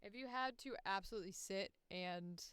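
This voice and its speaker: A woman's voice: medium pitch, moderate pace, a bit bright, clean tone, no echo. A woman chatting casually on a livestream as a voice actor, with a slangy, profane and passionate way of talking. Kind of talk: casual livestream chat while working.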